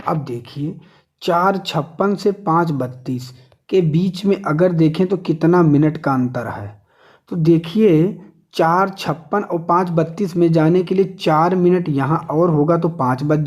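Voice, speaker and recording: A man's voice: on the high side, a little slow, a little mellow. Man teaching, step by step. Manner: explanatory, asks questions and answers them himself, repeats key figures. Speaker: exam coaching teacher. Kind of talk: step-by-step maths lesson for exam preparation.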